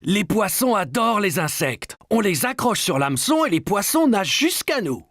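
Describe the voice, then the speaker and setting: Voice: medium pitch, sing-song, normal speed, a bit bright, dry recording, clean studio sound. An actor voicing a patient, kindly father in a French children's cartoon, explaining things simply and reassuringly.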